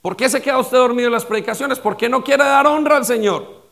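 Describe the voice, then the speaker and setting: High-voiced pastor guy preaching hard, repeats lines, asks the crowd questions. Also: brisk, creaky. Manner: emphatic preaching with rhetorical questions and repetition; shifts between loud stress and dropped quiet tones. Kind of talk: sermon.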